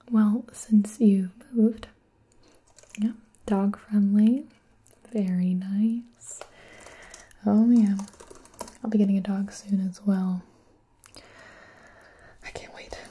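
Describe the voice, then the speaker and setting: Woman as friendly young librarian for a whispered role-play: very mellow library whisper, unhurried and casual. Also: mid-range voice, slight background noise, natural voice. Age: 20s. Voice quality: breathy. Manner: soft-spoken library whisper, gentle and casual. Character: friendly, chatty young female public librarian helping a new patron.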